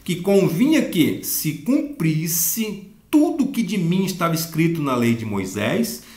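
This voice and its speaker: A man's voice: fairly high pitch, sing-song, darkish tone. Brazilian man teaching a Bible lesson, echoey room. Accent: Brazilian Portuguese. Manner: explanatory, reads scripture slowly then comments. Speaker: Sunday school teacher.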